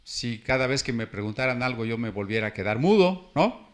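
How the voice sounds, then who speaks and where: A man's voice: mid-range voice, animated, fairly quick. A middle-aged man, a pastor delivering a sermon in a conversational manner, with frequent rhetorical asides and personal stories.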